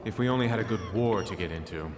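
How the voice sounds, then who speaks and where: An actor playing an opinionated, argumentative aristocratic party guest in a video game. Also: male voice, on the low side, fast, noisy background, natural voice. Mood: eager, musing. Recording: echoey hall reverb with music behind.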